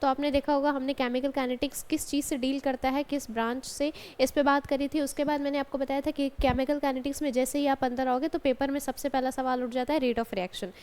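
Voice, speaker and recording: A woman's voice: high voice, little pitch movement, a little fast, hardly any pauses, darkish tone. A woman, a college chemistry lecturer, teaching a class step by step and checking in with her students as she goes. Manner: explains step by step, often adds "ठीक है" and calls students "बेटा".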